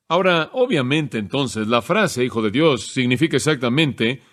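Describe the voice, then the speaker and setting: A man preaching an expository sermon, explaining a text in a measured teaching manner and slowing down to stress key phrases. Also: mid-range voice, a bit bright.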